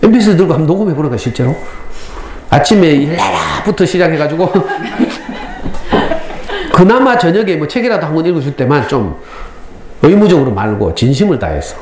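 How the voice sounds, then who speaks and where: A middle-aged man with a Gyeongsang Korean accent lectures parents at a school, moving from story to lesson. His fairly high voice rises and falls widely as he acts out lines. The recording is roomy and echoey, with faint hall ambience behind him. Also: sing-song, moderate pace, creaky, long pauses, a loud crowd.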